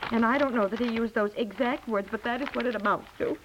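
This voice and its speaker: A woman's voice: fairly high pitch, fast, a bit bright, a little hiss or hum, lightly acted. An actress playing a chatty, fussy American wife and mother, rambling and flustered as she placates, in 1950s radio comedy style. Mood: defensive, soothing. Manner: rambling, flustered, self-correcting. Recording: muffled 1950s radio broadcast recording.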